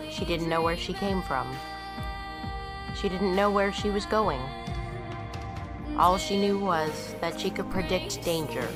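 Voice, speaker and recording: An actress playing a shaken, blind woman with no memory in an audio drama, speaking slowly and haltingly. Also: fairly low pitch. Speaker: lead character and narrator of audio drama. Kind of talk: full-cast audio drama acting.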